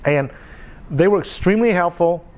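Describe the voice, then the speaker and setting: A man's voice: high-pitched, normal speed, darkish tone. A man in his forties talking casually to his viewers, earnest and repetitive, often checking in with "okay.". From United States. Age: 40s. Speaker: vlogger. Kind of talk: casual talk to camera.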